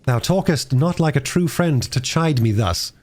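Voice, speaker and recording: A proud, resentful young squire from a storybook, performed by a man reading aloud. His old-fashioned lines are sullen and indignant, with a raised pitch and lively movement. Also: moderate pace. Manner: sullen, indignant archaic phrasing.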